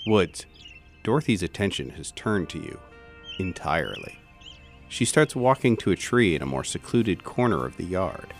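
Low-pitched game master narrating over music. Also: sing-song, normal speed. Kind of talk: dramatic narration of a tabletop horror game. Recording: prominent music under the voice.

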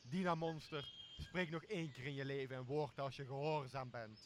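A man's voice: mid-range voice, fairly even intonation, moderate pace, a little hiss or hum, natural voice. A young man, a student actor in a radio play, playing a drunken, pompous, commanding lord of an island. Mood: merry, commanding. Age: young adult. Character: drunken, bossy, self-crowned male lord of an island. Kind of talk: amateur radio drama acting.

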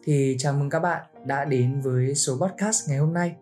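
A woman hosting a casual podcast, telling a story about a friend with lively quoted lines. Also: deep voice, normal speed, soft background music. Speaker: podcast host.

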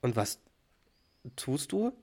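An exasperated wife scolds her husband with sarcasm, read aloud by a man in his own mid-pitched voice. It is done without any real put-on voice, as a podcast read-through of a sitcom scene. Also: big pitch swings, takes it slowly, a little mellow, heavily acted. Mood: scolding.

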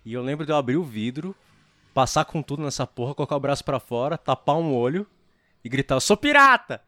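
A man's voice: medium pitch, quick pace, no room sound, clean studio sound. A man guesting on a podcast, telling a rambling, slangy story in casual chat.

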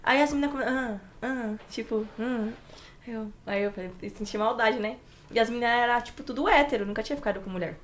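A woman's voice: a little high, brisk. A woman with a Brazilian accent telling casual anecdotes as a podcast guest, full of slang and re-enacted dialogue.

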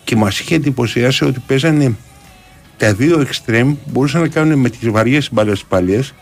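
A man's voice: medium pitch, gravelly, soft background music. Older man reminiscing on sports radio. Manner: reminiscing, frequent short agreeing interjections. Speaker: radio sports show co-host. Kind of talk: casual chat. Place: radio studio.

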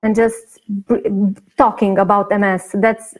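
A woman answers as an interview guest over a video call. She speaks hesitantly, with frequent fillers and restarts, at a mid pitch. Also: flat delivery, unhurried. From Romania. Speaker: guest, patient advocate.

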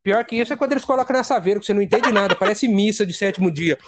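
A man in casual comedic chat, telling animated stories with a lot of swearing. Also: high voice, very fast, a little hiss or hum. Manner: crude, animated storytelling with swearing.

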